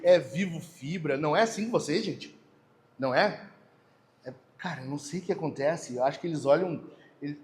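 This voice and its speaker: A middle-aged man, preaching a sermon in a joking, conversational way with asides to the congregation. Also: on the high side. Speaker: pastor.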